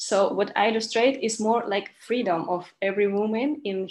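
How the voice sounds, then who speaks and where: Over a quiet background, a woman with a Russian accent speaks slowly in a fairly high voice, with ordinary pitch variation. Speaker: illustrator. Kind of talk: casual interview chat. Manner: halting.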